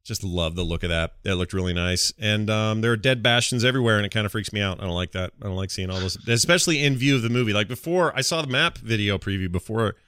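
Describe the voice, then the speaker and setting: Podcast co-host, man, middle-aged. Low, bright voice, dry close sound, slangy and animated storyteller. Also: quick pace, few pauses, clear, resonant tone, no room sound. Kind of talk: casual enthusiastic gaming chat.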